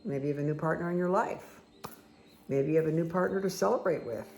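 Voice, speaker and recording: A woman with a croaky voice giving a casual, chatty tarot card reading that speaks directly to the listener. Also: low-pitched, brisk, darkish tone. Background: background music.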